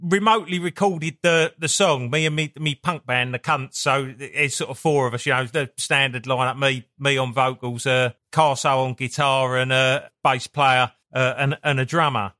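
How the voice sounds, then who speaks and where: A man's voice: medium pitch, steady tone, normal speed, hardly any pauses, pushed and bright. A man with an Essex accent talking casually as an interview guest, sweary, colloquial and rambling. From Essex, England. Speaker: guest, punk band singer.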